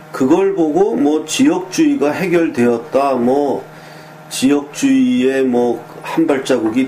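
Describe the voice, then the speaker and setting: Mellow, fairly high-voiced man giving commentary. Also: slight background noise, low-quality recording. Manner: conversational, frequent fillers and affirming asides; pointed, sharply critical opinions. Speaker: political commentator. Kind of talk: casual spoken commentary.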